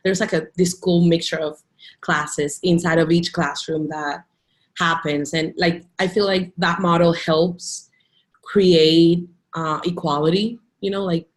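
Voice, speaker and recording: Chatty Dominican woman teacher, low voice. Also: fairly even intonation, measured pace. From Dominican Republic. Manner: chatty, many "like" fillers and restarts. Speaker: teacher, interview guest. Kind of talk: casual video interview.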